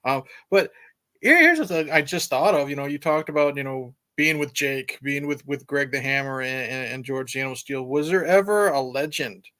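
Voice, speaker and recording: A man's voice: medium pitch, animated, normal speed, sharp tone. A man hosting a casual interview, chatty and backchanneling, asking long winding questions. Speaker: interviewer, host.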